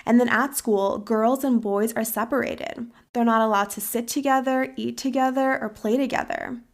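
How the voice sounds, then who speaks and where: Earnest, fairly high-voiced woman host. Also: fairly even intonation. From United States. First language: Farsi. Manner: earnest, measured, serious. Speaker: podcast host. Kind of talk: earnest interview and commentary.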